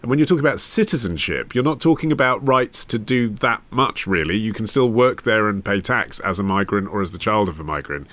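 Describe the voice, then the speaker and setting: A man's voice: fairly low pitch, animated, brisk, hardly any pauses, fairly bright tone, dry recording. A man hosting a conversational news discussion, putting probing, inquisitive questions to the panel. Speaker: host.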